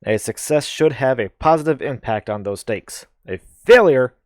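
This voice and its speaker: A man's voice: medium pitch, lively intonation, a little mellow, dry recording, clean studio sound. A man co-hosting a gaming chat, reading notes aloud and stumbling over the wording. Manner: halting reader, stumbles over sentences. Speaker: podcast co-host.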